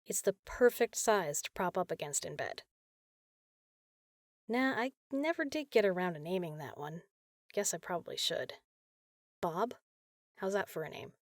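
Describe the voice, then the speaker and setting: Woman acting as caring big sister, lowish voice, soft, casual, playfully teasing, dry close sound, comfort audio roleplay. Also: lively intonation, a little slow, long pauses, no room sound.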